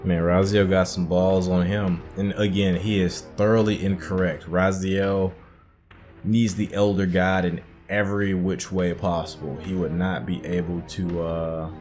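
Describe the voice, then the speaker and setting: Deep-voiced man doing casual game commentary. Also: level tone, unhurried, darkish tone, soft background music. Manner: informal, thinking aloud. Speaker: gaming host.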